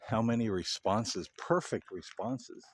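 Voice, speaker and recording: A man hosting a paranormal video, talking casually and earnestly to viewers in halting phrases. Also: fairly low pitch, breathy edge. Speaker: paranormal investigator, video host. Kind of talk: casual explanatory monologue to viewers.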